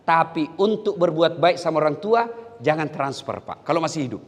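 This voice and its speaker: Middle-aged guy preaching, jokey and loud, voice jumps all over, echoey hall. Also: fairly high pitch, moderate pace. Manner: animated, joking, bursts into shouts. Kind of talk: lively sermon to a live audience. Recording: long hall reverb.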